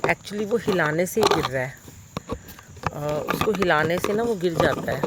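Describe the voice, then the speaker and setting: A middle-aged woman telling a congregation about a dream. She sounds full of wonder and earnest, with lots of pauses and fillers, recorded on a phone propped nearby. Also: on the low side, expressive, heavy background noise. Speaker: devotee sharing a dream with a congregation. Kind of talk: devotional storytelling.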